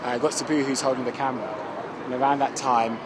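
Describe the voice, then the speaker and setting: A man's voice: medium pitch, flat delivery, fast, heavy background noise. A man chatting casually as he shows someone around outdoors. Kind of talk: casual chat, showing a place. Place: outdoors in a city street. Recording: busy street, people behind.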